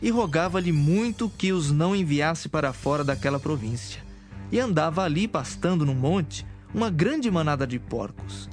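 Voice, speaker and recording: A man's voice: a little high, animated, normal speed. A man reading scripted, dramatic narration for an audio Bible. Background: music.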